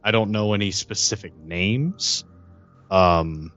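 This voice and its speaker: Man as a deep-voiced, guarded vampire insider. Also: fairly bright tone, no echo, highs cut off, soft background music. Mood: uneasy, confiding. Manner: halting, repeats phrases. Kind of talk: improvised role-play dialogue.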